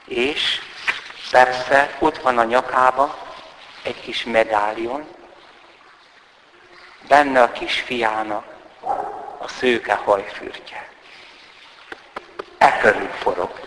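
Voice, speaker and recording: A man with a mid-range voice retells a novel's plot for his listeners, in a deliberate, storytelling way. His voice rings through a large hall with long reverb. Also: mid-range voice, pushed and bright, slight background noise.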